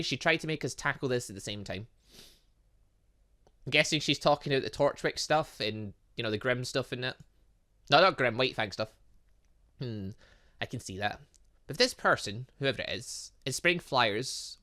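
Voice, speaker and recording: A man's voice: mid-range voice, bright, forceful tone. A man hosting a gaming video, reading game dialogue aloud with chatty asides and sometimes stumbling over words. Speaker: gaming channel host.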